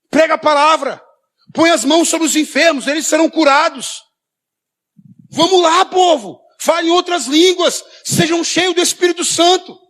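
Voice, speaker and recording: A man with a Brazilian accent preaching a sermon in a church, often shouting and acting out the lines of the people in his story. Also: extremely high pitch. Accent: Brazilian Portuguese. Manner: shouting preacher, acts out quoted dialogue. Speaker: pastor.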